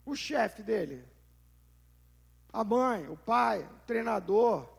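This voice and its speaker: Brazilian male pastor, chatty sermon delivery, strongly gravelly fry throughout. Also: high voice, expressive, slow. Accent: Brazilian Portuguese. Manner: conversational preaching, rhetorical questions, acts out little scenes.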